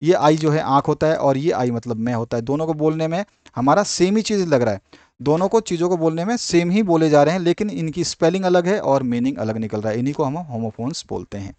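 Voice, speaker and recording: A man teaching an exam-prep lesson in Hindi, reading English definitions out slowly and often repeating small filler phrases. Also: a little high, darkish tone, no echo.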